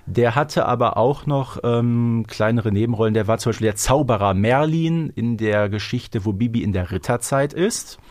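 A man with a medium-pitched voice co-hosts a podcast. He talks in a casual, knowledgeable fan style. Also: normal speed, few pauses, a little mellow. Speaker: podcast co-host.

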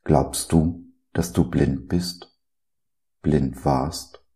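Deep, slow-spoken devotional podcast man. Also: fairly even intonation, warm tone. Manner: earnest, preacherly, full of rhetorical questions. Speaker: podcast host.

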